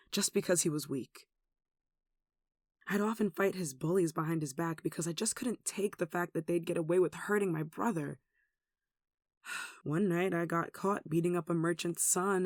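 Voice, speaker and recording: A performer playing a gentle, protective nun in an ASMR roleplay, speaking in a tender, soothing and wistful way. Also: mid-range voice, dry recording, clean studio sound, lightly acted. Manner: tender, soothing, wistful, with sighs and soft chuckles. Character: gentle, protective young nun caring for a sick demon. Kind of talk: ASMR roleplay, soft intimate acting.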